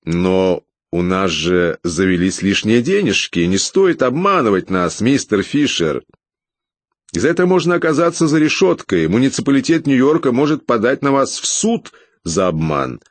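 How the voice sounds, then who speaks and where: A man reading an audiobook, voicing a smug, petty male welfare official who questions coldly and turns shrill when scared. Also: moderate pace, no room sound. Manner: smug and coldly calm, turning hysterical.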